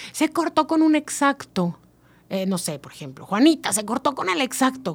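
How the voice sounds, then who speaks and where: A woman at a high pitch, her voice swinging very widely in pitch, at a moderate pace. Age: 30s. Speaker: business owner. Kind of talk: casual interview.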